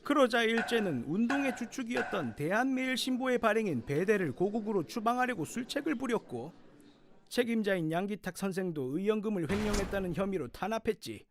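A feisty old grandfather in an audio drama, pitched very high and swinging widely as he scolds and lectures in old-fashioned speech. Faint noise sits behind his animated storytelling. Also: fairly quick. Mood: earnest storytelling.

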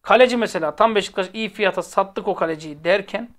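A high-pitched, fast, fairly bright male voice rants on a football fan channel, aimed directly at viewers. He comes across as blunt, heated, and exasperated, leaning on repeated phrases for emphasis.

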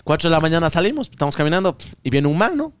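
Fast-talking Ecuadorian young man. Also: a little high, clean tone, no room sound. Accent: Ecuadorian Spanish. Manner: animated, acts out voices in the story. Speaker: podcast co-host. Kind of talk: casual comedic storytelling. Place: studio set in a shop, indoors. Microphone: handheld mic.

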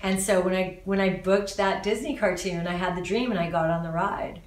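A woman in her forties from Los Angeles, a voice actor answering interview questions in a casual, animated way with frequent restarts, filmed in a living room. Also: lowish voice, moderate pace. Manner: animated, talks with her hands, many restarts. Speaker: voice actor guest. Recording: roomy, slightly distant sound.

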